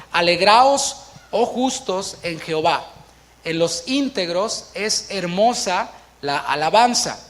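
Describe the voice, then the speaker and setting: A man's voice: fairly high pitch, a bit bright. A man preaching a sermon in a church in a conversational way, asking the congregation questions and acting out little scenes.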